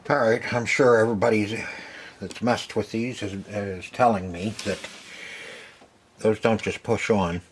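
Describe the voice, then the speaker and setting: The host of a retro repair video channel narrates a hands-on fix as he works, muttering short, folksy remarks to himself. He has a fairly low, steady voice at a measured pace, with slight background noise.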